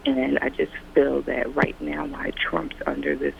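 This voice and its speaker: A man calling in to a radio talk show, rambling and hesitant with many pauses. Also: medium pitch, flat delivery, gravelly, a little hiss or hum. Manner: rambling, hesitant, full of ums. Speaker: caller. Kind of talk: phone-in call. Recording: dull lo-fi phone line.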